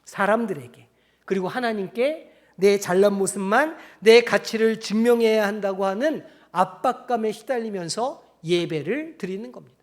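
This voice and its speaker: A male pastor delivering a sermon in a church, asking the congregation questions and acting out their inner thoughts. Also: high voice. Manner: animated preaching, acting out congregants' inner voices; asks the congregation questions and pauses for answers. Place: church sanctuary.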